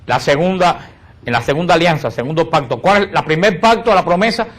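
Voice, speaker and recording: Guy teaching catechism, high voice, asks the room stuff then answers himself, goes slow and low on the big words. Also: a bit bright. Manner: asks the audience questions and answers them himself; slows and drops his voice on key words.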